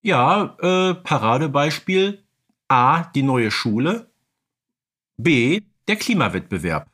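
Husky middle-aged man, casual podcast co-host. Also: on the high side, big pitch swings, slow pace, a bit bright.

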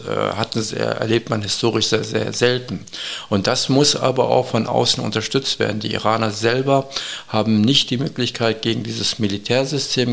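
A man answering interview questions as an expert guest, earnest and urgent, with measured phrasing and frequent hesitations. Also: on the low side, vocal fry, fairly bright tone.

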